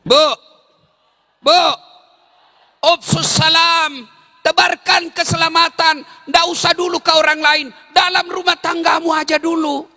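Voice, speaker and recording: Man, middle-aged, comic sermon, high voice, bright tone. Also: unhurried, long reverb tail. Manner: joking, animated, breaks into song. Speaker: preacher.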